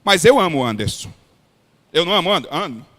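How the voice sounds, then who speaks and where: A pastor from Ceará with a Cearense Brazilian accent, preaching a blunt, folksy sermon to other pastors. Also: male voice, fairly high pitch, very animated, fast, a bit bright. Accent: Cearense Brazilian Portuguese. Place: large hall at a pastors' retreat. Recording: long hall reverb.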